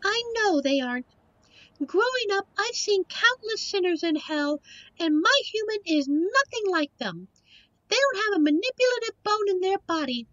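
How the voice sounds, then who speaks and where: A woman acts as a girlish young demon in an audio drama, extremely high in pitch. She is sweet, earnest and stubbornly protective, heard close and dry on a slightly dull recording. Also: big pitch swings, moderate pace, a bit bright, no room sound, full character voice. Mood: firm, weary. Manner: earnest, pleading, defiant. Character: sweet, defiant young succubus daughter protecting her lover. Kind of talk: scripted audio roleplay acting.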